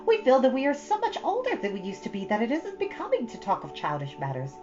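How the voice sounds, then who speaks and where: A woman's voice: a little high, huge pitch swings, fast, highs cut off, music in the background, voice pushed up. A woman voicing a chatty, earnest thirteen-year-old girl from a storybook, rambling with solemn drama. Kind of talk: storybook character reading.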